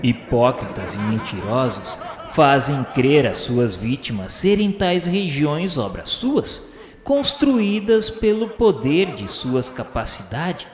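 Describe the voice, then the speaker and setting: A man's voice: mid-range voice, big pitch swings, slow. A man narrating a radio drama in a solemn, dramatic way. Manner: solemn, dramatic, rising in emphasis. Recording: reverberant hall sound with faint music.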